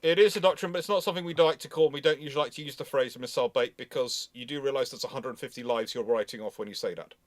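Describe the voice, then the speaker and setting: A man's voice: medium pitch, quick pace, hardly any pauses, dry recording. A man explaining things emphatically in a live question-and-answer discussion, often restarting his phrases. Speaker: host and naval historian answering questions.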